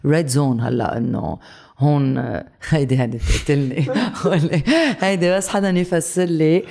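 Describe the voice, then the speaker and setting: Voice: medium pitch, normal speed, vocal fry, a little mellow. A speaker with a Lebanese Arabic accent in a casual chat, occasionally mixing in French and English words.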